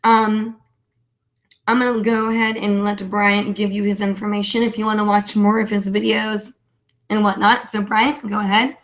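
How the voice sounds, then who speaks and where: A woman's voice: mid-range voice, little pitch movement, normal speed. A woman hosting a casual live online show, chatting in a rambling, self-deprecating way. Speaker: host of a weekly live online hobby show. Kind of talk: casual livestream chat.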